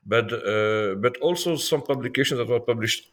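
A man with a Polish accent, a non-native English speaker, giving scholarly interview answers haltingly as he searches for words. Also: medium pitch, fairly bright tone. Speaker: historian and author being interviewed.

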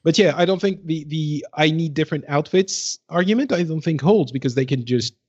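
A man co-hosting a podcast, talking casually and haltingly as he reasons things out, repeating words. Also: a little high, breathy edge, highs cut off. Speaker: podcast co-host. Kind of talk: casual discussion.

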